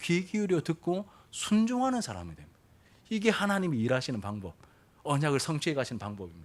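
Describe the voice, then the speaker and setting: On a very clean recording with a silent background, the voice moves at a very fast pace with very wide pitch swings and big swings in loudness. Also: man. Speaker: pastor. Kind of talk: sermon. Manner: speeding up.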